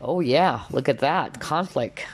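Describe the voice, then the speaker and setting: A woman's voice: very deep voice, lively intonation, unhurried. A woman reading tarot cards in a casual, spiritual style, often checking in with little tags like okay and all right. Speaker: tarot card reader, host.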